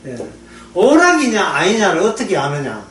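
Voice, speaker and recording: A man's voice: sits high, huge pitch swings, moderate pace, a bit bright, slight background noise. A man preaching a conversational sermon who laughs often and acts out prayers as he teaches. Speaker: pastor. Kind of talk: sermon lecture. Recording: echoey room, voice from far off the mic.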